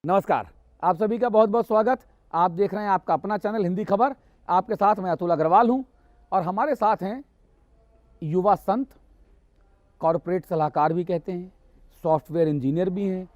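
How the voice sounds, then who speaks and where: A man's voice: sits high, darkish tone. A man hosting a televised interview, asking pointed, provocative questions in a temple hall. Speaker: news channel interviewer. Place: temple hall with devotional music behind.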